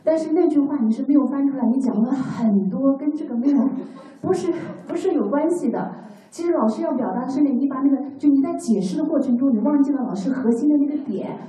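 High-voiced woman, apologetic and earnest. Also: fast, warm tone. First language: Chinese. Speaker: student. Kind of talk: class discussion. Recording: echoey room from far off.

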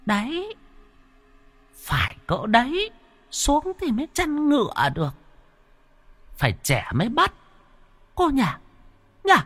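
A man voicing a possessed old woman in a spoken ghost story, in a high, soft, sing-song coo. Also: huge pitch swings, takes it slowly, pauses often, full character voice. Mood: eerie taunting. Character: possessed old woman, eerie, sly, taunting.

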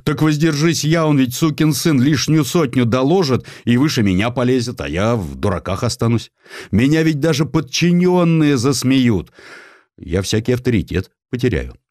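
A man's voice: medium pitch, big pitch swings, normal speed, a little mellow, no echo, voice pushed up, lightly acted. A man acts out a smug, corrupt male official from a historical audiobook. He justifies himself in earthy, colloquial speech with big swings of intonation. The recording is dry. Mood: aggrieved, brazen. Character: brazen, self-satisfied bribe-taking male government official.

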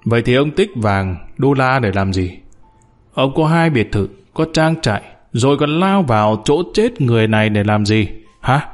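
A man's voice: mid-range voice, expressive, moderate pace, faint music behind, close to an everyday voice. A man voicing a bitter underling who mocks, accuses and wails at his old boss. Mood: mocking. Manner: mocking, accusing, wailing. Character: bitter downtrodden male underling, scornful, sobbing.

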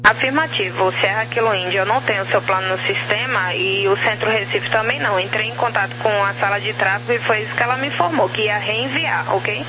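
A woman's voice: medium pitch, brisk, hardly any pauses. A woman with a Brazilian accent working as an air traffic controller, speaking in procedural phraseology over a walkie-talkie style radio. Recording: aviation radio with music behind.

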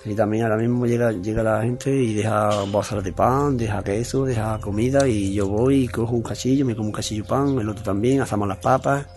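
A man's voice: on the low side, steady tone, a little fast, hardly any pauses, a little mellow, faint music behind. A man, speaking as an interview guest in an earnest, plain-spoken, repetitive way. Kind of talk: earnest personal testimony.

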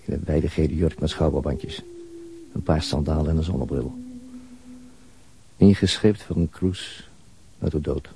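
An actor playing a weary, grumbling police detective, dry and terse, in a radio drama. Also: male voice, very deep voice, normal speed, pauses often, background noise.

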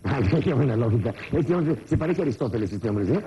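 A man giving a live personal development seminar, joking and constantly quizzing the audience in an animated way. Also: mid-range voice, brisk, lo-fi sound, noisy background. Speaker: motivational seminar speaker.

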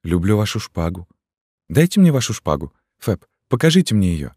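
A man's voice: on the low side, big pitch swings, moderate pace, a little mellow, slightly rough, no room sound, studio quality, pitched above the performer's own voice. A man doing a tender, adoring young gypsy girl.

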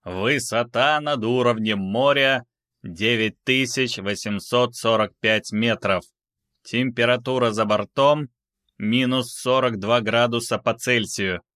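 A man voicing a calm, formal spaceship computer, reciting flight readings in a measured way for a science fiction audiobook. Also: medium pitch, no room sound, studio quality, lightly acted. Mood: measured, impassive.

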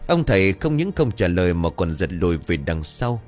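Guy narrating a scary story, low voice, real animated delivery, soft music under it. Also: normal speed. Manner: dramatic, expressive storytelling. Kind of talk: scripted horror narration.

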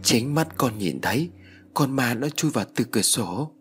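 A man's voice: medium pitch, expressive, normal speed, fairly bright tone, faint music behind, close to an everyday voice. A man voicing a shaken girl who murmurs faintly in fear. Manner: faint, trembling whisper-like. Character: shaken, trembling teenage girl, Thương.

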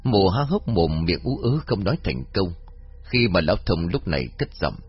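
Low husky guy reading a scary story, voice swings up and down, dull lo-fi audio. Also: normal speed. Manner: dramatic, expressive. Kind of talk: scripted horror narration. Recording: dull lo-fi audio, faint music.

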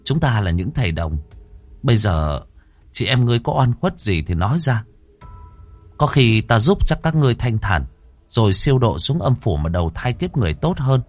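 A man voicing a stern woman exorcist who commands spirits and coaxes them gently, in a storybook ghost tale. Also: medium pitch, big pitch swings, moderate pace, soft background music. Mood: coaxing. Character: stern female exorcist, firm then coaxing.

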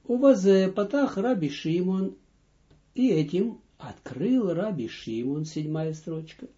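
Male teacher, slow and deliberate, mellow tone, lively pitch, dull lo-fi audio. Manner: slow, deliberate, dictating with pauses; reads phrases aloud, then translates and repeats them. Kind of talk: line-by-line text lesson.

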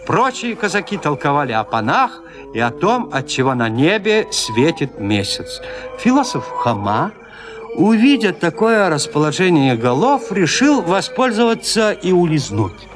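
A man narrating a classic story in a radio play, in an expressive, theatrical storytelling manner. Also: on the high side, measured pace.

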